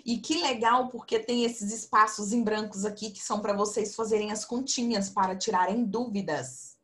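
A woman teaching young children in an online class over a video call, speaking slowly in a sing-song, patient teacher voice. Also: medium pitch, steady tone, fairly bright tone. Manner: slow, sing-song teacher talk to children, calls herself auntie. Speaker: primary school teacher. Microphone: computer mic on video call.

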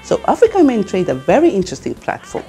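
Racing along with huge pitch swings, a warm, mid-range voice belongs to a middle-aged Kenyan woman who founded and leads a women's network as its CEO. Speaking with a Kenyan accent directly to camera, she's earnest and poses rousing questions. Faint music plays behind her in a furnished indoor studio lounge with a fireplace.

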